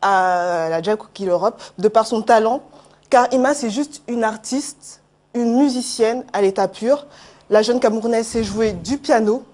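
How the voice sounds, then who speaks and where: A woman with a fairly high voice presents a music segment on a TV news set. Her delivery is lively and flowing, with the odd filler as she goes. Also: normal speed. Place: TV studio.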